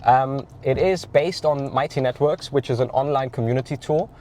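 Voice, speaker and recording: A man's voice: medium pitch, normal speed, darkish tone. A man, talking casually in a car, his voice nasal from a cold, with many ums and uhs. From Germany. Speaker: tinnitus coach. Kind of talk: casual vlog while driving. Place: in a car while driving. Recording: faint car noise behind.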